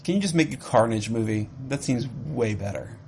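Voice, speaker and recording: A man co-hosting a casual podcast, his pitch rising and falling in a lively, animated way as he jokes and teases. He talks in a loose, conversational manner, with a faint hum of room ambience behind him. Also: a little fast, gravelly. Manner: jokey, animated, teasing. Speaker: podcast host. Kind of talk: casual chat.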